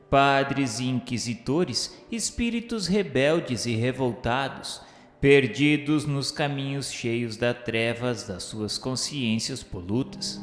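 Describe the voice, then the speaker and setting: A Brazilian man with a medium-pitched voice narrates a religious radio drama. He reads very slowly and solemnly, with literary phrasing, in echoing reverb with music behind him. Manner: solemn, measured, literary delivery.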